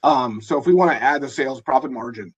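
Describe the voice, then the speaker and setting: A man with a hoarse, husky voice presenting a live software demo in a webinar, talking in a halting way with many fillers and restarts. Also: mid-range voice, lo-fi sound. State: hoarse, losing his voice.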